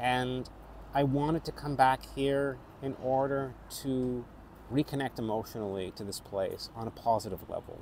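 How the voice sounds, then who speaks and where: A man with an American accent speaks at a moderate pace in a plain, everyday voice, his medium pitch carried on fairly even intonation. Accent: North American accent when speaking Polish. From Canada. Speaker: theatre maker and actor. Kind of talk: casual vlog reflection.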